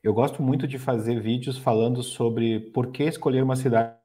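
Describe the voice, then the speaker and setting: A man's voice: medium pitch, steady tone, moderate pace, crowd noise. A middle-aged man, hosting a live stream and reading viewers' questions. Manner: reads viewer questions, agreeable interjections. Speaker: host. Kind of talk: casual chat on a live stream.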